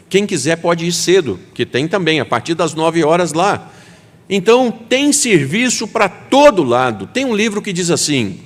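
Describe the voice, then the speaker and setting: Brazilian pastor preaching in a reverberant church. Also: male voice, a little high. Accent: Brazilian Portuguese. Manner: animated preaching, acts out voices in quotes. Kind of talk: sermon. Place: church sanctuary. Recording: long hall reverb.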